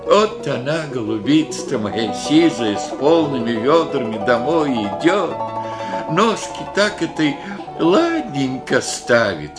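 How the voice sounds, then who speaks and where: A man's voice: medium pitch, very animated. A tender old village grandfather. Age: older. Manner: rustic village speech, slow and dreamy. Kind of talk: 1980s-style radio play acting. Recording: radio play with guitar music behind.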